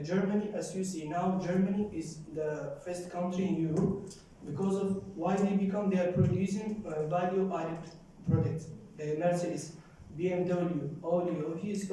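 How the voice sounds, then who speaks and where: A young man from Somalia asking long, halting questions at a forum Q&A, often repeating and rephrasing himself. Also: high-pitched, mellow, far from the mic, a little hiss or hum. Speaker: audience member asking questions. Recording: roomy hall, speaker off mic.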